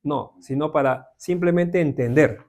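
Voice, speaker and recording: This man teaching a relaxed Bible class has a fairly high, slightly mellow voice and keeps a measured pace. He's from Peru, carries a Peruvian Spanish accent, and talks to his listeners conversationally, peppering his speech with tag questions.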